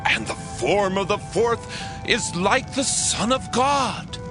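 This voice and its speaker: A man's voice: sits high, sing-song, full character voice. A man playing a proud, wrathful ancient king of Babylon in a dramatized scripture reading, imperious and grandiose. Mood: astonished. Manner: imperious, grandiose, drawn-out theatrical delivery. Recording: music behind the voice.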